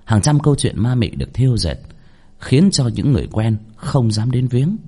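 Male storyteller for a ghost tale: husky, highly animated, dramatic. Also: moderate pace.

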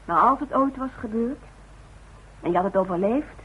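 A woman's voice: fairly high pitch, expressive, moderate pace, breathy edge, narrow, tinny audio. An actress playing a devoted, worried woman who is firm and direct, in a naturalistic radio play on an old recording. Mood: worried, reproachful. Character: devoted, plain-spoken, worried woman coaxing her stubborn father.

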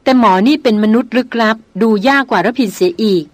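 Thoughtful big brother who leads the trip, a woman reading him, measured talk, dry mic. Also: fairly high pitch, no echo, pitched above the performer's own voice, lightly acted. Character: thoughtful older brother, leader of the expedition.

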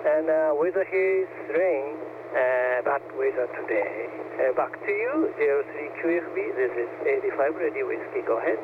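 A man with a Japanese accent replies in measured, formal call-sign phrasing over a shortwave radio transmission. His voice comes through narrow and tinny with a clear hiss of static behind it. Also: fairly high pitch, lively intonation. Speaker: radio show director answering a demo call. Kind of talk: scripted ham radio exchange in English.

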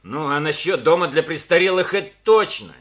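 A man's voice: a little high, expressive, a little fast, fairly bright tone. An actor playing a mocking, greedy middle-aged father-in-law in a radio play. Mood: sneering. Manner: sneering, mocking. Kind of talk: Soviet radio play acting.

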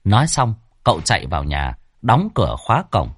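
A man narrating a ghost story in a lively, expressive, dramatic way. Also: low voice, fairly quick, slightly rough, dry recording.

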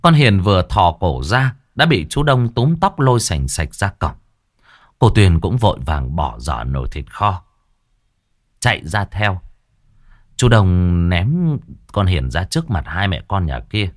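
A man narrating a ghost story in a lively, dramatic way. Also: sits low, measured pace, dry recording, clean studio sound.

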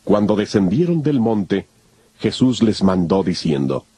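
A man narrating scripture from a script in a solemn, measured manner. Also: lowish voice, big pitch swings, dark tone, slightly rough, no room sound.

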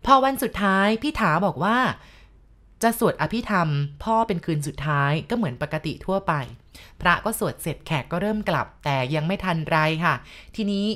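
A woman's voice: mid-range voice, lively intonation, moderate pace, a bit bright. A woman narrating a ghost story to her listeners, speaking politely and addressing them directly.

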